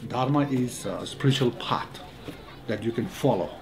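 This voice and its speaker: A man's voice: mid-range voice, lively intonation, normal speed, vocal fry, music in the background. A man, a monastery school administrator, earnestly explaining in a documentary interview with grammar. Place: office indoors.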